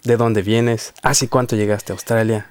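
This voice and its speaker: A man's voice: on the low side, level tone, moderate pace, clean tone, no room sound. A man hosting a casual radio interview in a studio, chatty and hesitant, with frequent fillers. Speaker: radio show host. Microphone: studio microphone.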